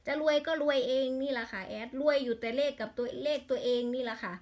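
A woman's voice: on the high side, fast talker, darkish tone. A woman with an Isan accent in a casual vlog, rattling off lottery number strings and breaking into exasperated grumbles.

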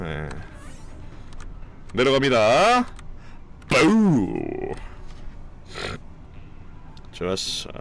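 A young man streaming a video game live, commenting excitedly, swearing often and talking to his viewers. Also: medium pitch.

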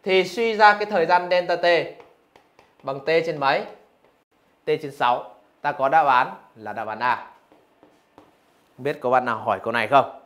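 A man's voice: a little high, moderate pace, long pauses, fairly bright tone. A male physics teacher going through exam answers, asking his students rhetorical questions as he explains. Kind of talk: exam review lesson.

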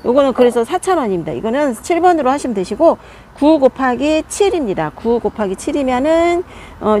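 A woman's voice: on the high side, slight background noise. Chatty woman showing off plant pots. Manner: chatty, friendly sales talk, often laughing softly. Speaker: online seller showing succulent pots. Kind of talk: live product demonstration.

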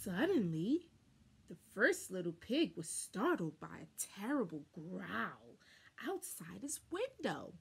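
A young adult woman reading a children's story aloud expressively, with deliberate, dramatic emphasis, recorded indoors on a camera a short distance away. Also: mid-range voice, big pitch swings, creaky, slightly rough. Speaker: storybook reader. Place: small furnished room indoors.

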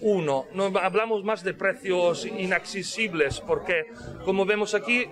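Guy talking thru a face mask, high voice, lots of "ok?", crowd noise around. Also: unhurried. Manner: didactic, frequent tag questions. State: speaking through a face mask. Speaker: caviar company representative. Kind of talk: explaining in an interview. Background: crowd chatter.

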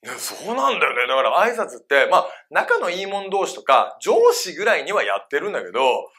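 Leading a live seminar for roughly twenty or thirty adults, a man speaks briskly and playfully, quizzing the audience and turning questions back to them. His bright, forceful voice swings widely in pitch from one phrase to the next.

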